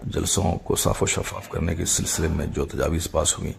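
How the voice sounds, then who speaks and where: Middle-aged male cleric, low-pitched with heavy creak, solemn and halting formal address, faintly noisy amateur audio. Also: steady tone. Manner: measured, halting phrasing with formal Urdu religious vocabulary.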